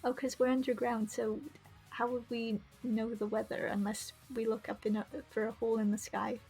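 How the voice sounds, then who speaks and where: High-pitched, creaky woman streaming a game. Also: little pitch movement, normal speed, a little mellow, soft background music, rough recording. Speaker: streamer playing a visual novel. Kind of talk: live game stream, reading dialogue aloud with chatty asides.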